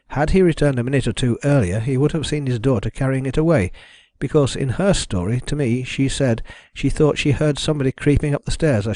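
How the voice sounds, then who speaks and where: A man's voice: mid-range voice, darkish tone, no echo, close to an everyday voice. A man voicing a confident, methodical detective who explains his deductions precisely in an audiobook mystery. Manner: measured, assured, precise.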